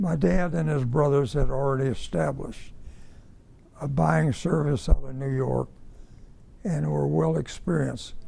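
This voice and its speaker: With an American accent, a man speaks at a moderate pace and medium pitch, somewhat breathy and dark and mellow in tone, his pitch swinging very widely between long, frequent pauses. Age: 90s. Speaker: retired merchant and farmer. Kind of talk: oral history interview.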